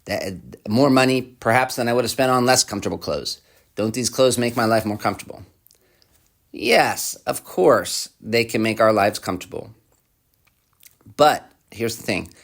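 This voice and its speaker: A pastor delivering a sermon in an easy, talky style. His voice sits on the low side, and he keeps turning to the listener with questions. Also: moderate pace. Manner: conversational, asks the listener repeated questions.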